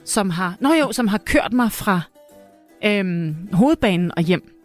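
A woman talks casually as a podcast guest, telling a long story that keeps stopping and restarting as she corrects herself. Her voice sits at an ordinary middle pitch. Faint music plays softly in the background. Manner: lively, rambling storyteller with many restarts. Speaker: actress guest.

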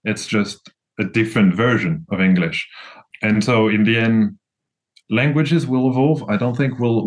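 A young man from France with a French accent, a guest chatting casually, rambling with many restarts and fillers. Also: fairly low pitch. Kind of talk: casual conversation.

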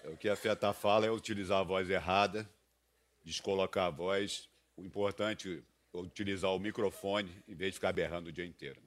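A man, a voice specialist guest answering interview questions slowly and earnestly. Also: deep voice, steady tone.

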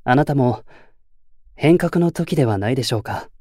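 A man acting a composed, earnest young idol leader in an audio drama, speaking in polite, measured formal phrases. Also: medium pitch, lively intonation, mellow, dry recording, clean studio sound, natural voice. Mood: quietly probing.

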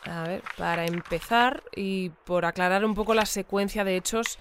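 A performer playing an inquisitive, courteous radio news presenter in an audio drama, asking measured questions. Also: medium pitch, fairly even intonation, a bit bright, slight background noise, lightly acted. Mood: probing. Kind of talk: audio fiction acted as a radio news interview.

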